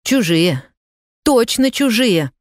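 A woman voicing an estranged mother who flares up and shouts defiant threats. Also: fairly high pitch, sing-song, slow pace, dry recording, studio quality, voice pushed up. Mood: furious. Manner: flaring, raised threats.

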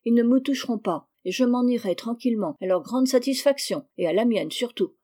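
A woman reading an audiobook, voicing a clever, mischievous orphan boy who speaks calmly and with self-assurance. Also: on the high side, brisk, natural voice. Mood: assured. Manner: calm, self-assured, soft.

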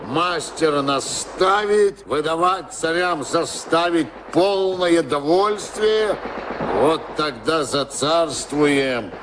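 A man's voice: fairly high pitch, expressive, slow, noisy background. A man narrating a rhymed folk tale for a radio play in a wry, declamatory theatrical manner. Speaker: storyteller.

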